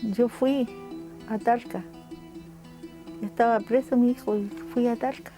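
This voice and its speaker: A woman's voice: fairly high pitch, steady tone, measured pace, music in the background. An older woman with a Chilean accent gives a heartfelt documentary testimony, acting out the dialogue as she tells it. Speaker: mother of a political prisoner.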